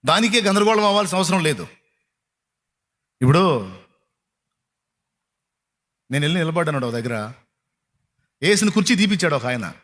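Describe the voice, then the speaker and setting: A man's voice: on the high side, lively intonation, normal speed, pauses often, a bit bright. A man preaching a sermon, firing rhetorical questions at his listeners and mocking their complaints.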